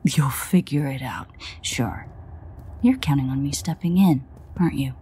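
A woman playing a sardonic, exasperated vampire in an audio roleplay, grumbling and swearing in a husky near-whisper. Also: rumbling low, a little slow, mellow, exaggerated voice. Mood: weary, grumbling. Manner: sarcastic, profane, grumbling. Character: sardonic, exasperated female vampire, reluctant ally. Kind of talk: audio roleplay addressed to the listener.

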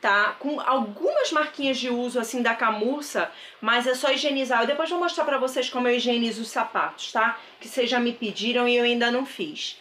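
This woman's voice sits on the high side with a fairly bright tone, and she talks a little fast with few pauses. In her thirties and with a Brazilian Portuguese accent, the thrift vlogger enthusiastically chats to viewers in a casual haul vlog. The recording comes from a close camera mic in a bedroom with a wardrobe, indoors, and carries a little hiss or hum.

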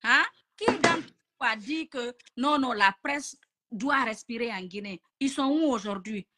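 A woman's voice: fairly high pitch, animated, unhurried, heavy background noise. A young woman with a Guinean accent, speaking bluntly and scornfully in a heated political chat on a video call. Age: young adult. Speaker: live stream guest. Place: indoor room, video call.

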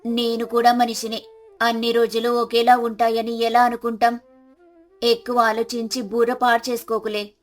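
A woman's voice: a little high, completely flat delivery, moderate pace, lightly acted. An earnest village wife from a moral storybook, played by a woman narrator, speaks. Light music plays behind. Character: lazy village wife turning earnest and hardworking.

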